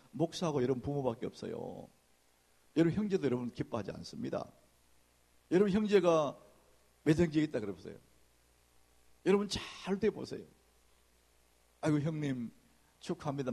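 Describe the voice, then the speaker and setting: A man preaching a sermon as senior pastor, in a lively conversational way, acting out church gossip in hushed voices. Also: a little high, creaky, husky.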